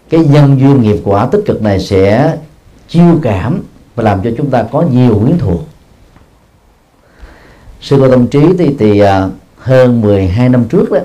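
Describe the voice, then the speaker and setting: A male Buddhist monk teaching in a mellow, relaxed voice. He explains patiently, padding his phrases with a drawn-out filler and sometimes chuckling at his own stories. The talk is recorded in a practice hall. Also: fairly low pitch. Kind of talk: dharma talk answering questions.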